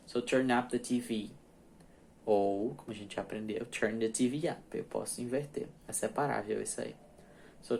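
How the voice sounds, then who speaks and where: A man teaching English grammar in a recorded class, patiently repeating examples slowly and checking that his students follow. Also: mid-range voice, gravelly, darkish tone, a little hiss or hum.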